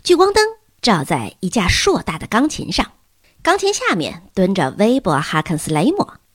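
A woman's voice: medium pitch, huge pitch swings, normal speed, breathy edge, no echo, studio quality. A woman narrating a children's story as an audiobook, reading expressively.

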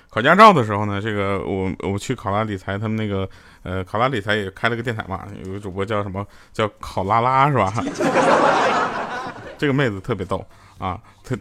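A man's voice: lowish voice, fairly quick, bright, forceful tone. A man performing a stand-up comedy monologue, telling jokes with playful asides. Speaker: comedian and sponsor spokesman.

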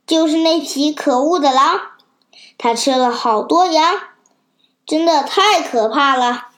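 A frightened little sheep sobs out its words, as a child storyteller voices it. The voice is high, slow and pitiful. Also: female voice, a bit bright. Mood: scared. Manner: sobbing, pitiful.

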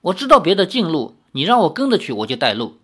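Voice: medium pitch, big pitch swings, fast, slightly rough. A reader voicing Anu, an impulsive, clingy young tribal girl, in a storybook audiobook. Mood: eager.

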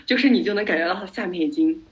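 A woman's voice: lowish voice, racing. A woman podcast host telling stories in a casual chat, dropping English words into her speech. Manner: animated storytelling, mixes in English words. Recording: slightly dull lo-fi audio.

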